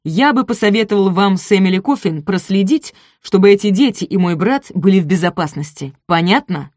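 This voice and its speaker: A woman reading an audiobook, voicing a tough male state police detective who gives forceful, clipped orders. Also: mid-range voice, animated, a little fast, dry recording, clean studio sound, close to an everyday voice. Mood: commanding.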